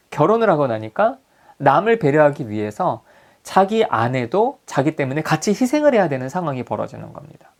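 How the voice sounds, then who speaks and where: A man giving a psychology lecture as a group counselor, putting questions to his audience. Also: a little high. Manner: animated, asks the audience questions.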